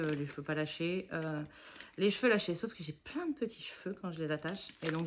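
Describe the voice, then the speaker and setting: A woman's voice: fairly low pitch, fairly bright tone, slight background noise. A woman in her forties chatting casually in a haul vlog, rambling and self-mocking, with many fillers. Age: 40s. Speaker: budget haul vlogger.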